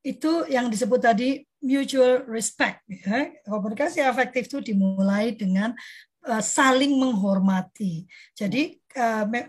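A woman moderating a discussion, explaining by acting out example dialogues and slowing on key points. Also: fairly high pitch, slightly rough. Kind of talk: discussion talk.

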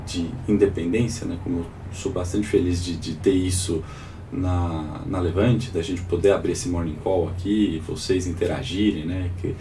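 A man's voice: deep voice, fairly even intonation, moderate pace. A Brazilian man hosting a live financial morning call, talking informally, his voice congested and sore from a cold, as if his tonsils were swollen. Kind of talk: informal live market commentary with audience questions. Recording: distant mic with faint background noise.

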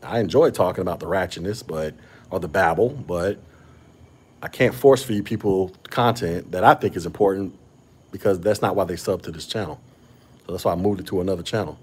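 Through a podcast microphone comes a male host's low, brisk voice, darkish in tone and slightly rough. The conversation is casual, marked by a mild stutter and many restarts.

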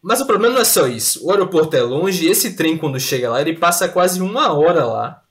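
A man's voice: fairly high pitch, quick pace. A man, telling mishap stories in a casual chat and laughing along as he goes. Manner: animated anecdote telling, laughing through stories.

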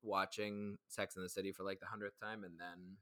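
A man's voice: deep voice, little pitch movement, brisk, bright, forceful tone. Man, podcast co-host, casual live chat, rambling recaps, phone mic. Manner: chatty, recapping past episodes in a loose list.

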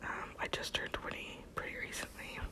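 A twenty-year-old American woman whispering a casual, rambling ASMR personal update in a soft, breathy voice. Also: moderate pace. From Texas, United States. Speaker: ASMR video creator.

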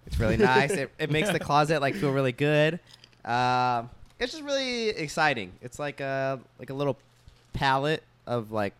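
A man co-hosting a podcast, talking casually and rambling with lots of fillers and the odd swear, with a fairly high voice. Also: big pitch swings, moderate pace, a bit bright, smooth, no echo. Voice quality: high-pitched voice, in his own words. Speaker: podcast co-host. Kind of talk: casual chat.

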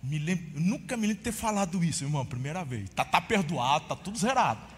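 A Brazilian man preaching a sermon as pastor, telling a story with lively swings and shouting at the peaks, often calling listeners brother. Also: on the high side, fast, big-room sound.

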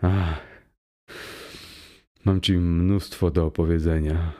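A man voicing a young, joyful and hospitable man in a read-aloud story, talking in a soft, unhurried way that turns hushed when he muses. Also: low voice, fairly even intonation. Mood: warm cheerful.

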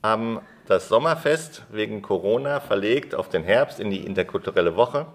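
A man, an association chairman, explaining things briskly and matter-of-factly. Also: on the low side, expressive. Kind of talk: interview explanation.

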